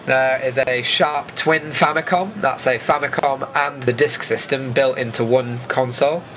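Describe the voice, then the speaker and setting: A man hosts with a casual voice-over at a middling pitch. His delivery is informal and dryly jokey, with an enthusiast's interest. There is faint noise behind him. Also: steady tone, measured pace, a bit bright. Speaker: video host narrating event footage.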